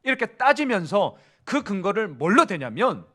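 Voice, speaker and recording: A male pastor preaching a sermon in a church, animated and full of rhetorical questions. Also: high-pitched, normal speed.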